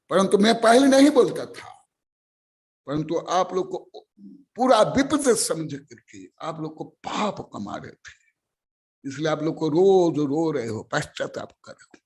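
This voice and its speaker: A man's voice: a little high, a little mellow. A man giving a sermon on scripture in an emphatic, scolding, lecturing manner.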